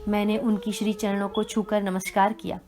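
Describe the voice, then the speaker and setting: A woman giving a measured, reverent devotional scripture reading. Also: mid-range voice, flat delivery, darkish tone. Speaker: reader of a devotional text.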